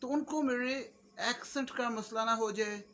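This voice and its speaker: A man's voice: very high voice, normal speed, fairly bright tone. A man from Pakistan with a Punjabi accent, speaking casually and jokingly as a vlogger, mixing Urdu, Punjabi and English. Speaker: YouTuber host. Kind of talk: casual comic-motivational monologue.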